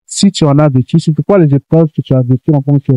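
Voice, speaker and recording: A man's voice: a little high, fast, warm tone, no room sound. A man hosting a Christian youth talk show, speaking earnestly and exhorting young listeners, with many restarts. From grew up in Canada. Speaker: host.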